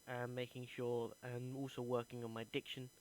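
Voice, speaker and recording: A man's voice: mid-range voice, monotone, normal speed, slight background noise, rough recording. A young man, an acting student, earnestly recording a reflective voice diary and thinking aloud as he goes.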